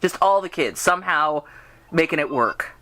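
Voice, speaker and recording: A woman hosting a podcast, chatting casually in a rambling, giggly way that gets animated when she quotes people. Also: sits low, moderate pace, dry recording. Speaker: podcast host interviewing a guest. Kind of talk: casual chat about fan fiction and radio drama.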